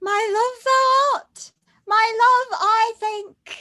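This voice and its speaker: A squeaky, put-on character voice at a very slow pace. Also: woman, extremely high pitch for a woman. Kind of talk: comic overacting. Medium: stage play.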